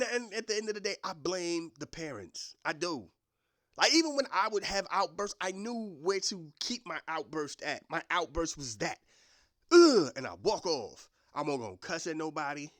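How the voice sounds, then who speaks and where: A young adult man hosting a podcast, telling comic stories in an animated way and jumping into quoted voices. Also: fairly high pitch, no echo, clean studio sound. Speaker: podcast host. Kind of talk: comedic storytelling monologue.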